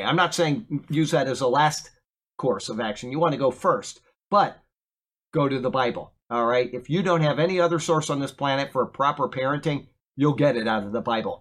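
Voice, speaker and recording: A man's voice: medium pitch, a bit bright. Chatty pastor in his fifties. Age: 50s. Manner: conversational, keeps asking "okay?". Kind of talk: sermon.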